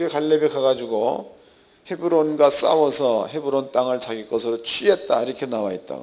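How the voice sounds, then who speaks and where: Noticeable background noise sits behind a man who speaks at a moderate pace with a fairly high pitch and ordinary pitch variation. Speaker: pastor. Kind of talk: bible lecture.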